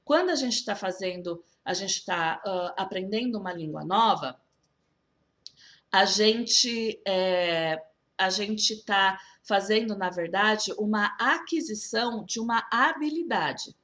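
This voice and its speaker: A woman's voice: medium pitch, expressive, takes it slowly, fairly bright tone. A woman teaching English, explaining to viewers in a chatty way, often restarting and asking them questions. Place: school's own video channel.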